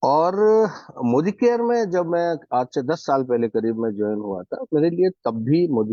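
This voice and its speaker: This man has an ordinary speaking voice, talking at a moderate pace with lively intonation. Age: 60s. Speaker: doctor, network marketing leader. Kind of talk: online training presentation.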